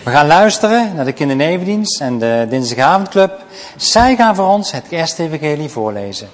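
Male church presenter, slightly high voice, brief friendly announcements, echoing hall. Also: sing-song, moderate pace, a little hiss or hum. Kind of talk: announcing to a congregation. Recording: long church reverb, faint room ambience.

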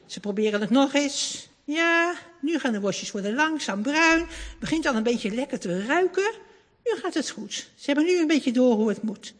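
Woman reading a kids christmas-type story, high voice, lots of ups and downs, long echo like a hall. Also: normal speed. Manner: warm, expressive, lingering. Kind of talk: reading a children's story aloud.

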